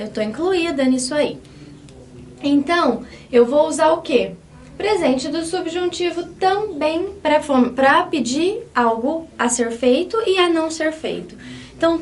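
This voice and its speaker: High-voiced Brazilian woman teaching Spanish. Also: recorded from a distance. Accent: Brazilian Portuguese. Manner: patient, checks in often with the class. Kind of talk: online language lesson.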